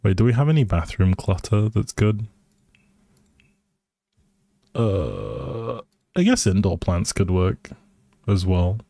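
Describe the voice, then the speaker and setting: A man's voice: low-pitched, sing-song, takes it slowly, vocal fry, long pauses, warm tone, dry recording. A man live streaming a video game with casual, hesitant commentary, thinking aloud and often trailing off. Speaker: live streamer playing a life simulation game.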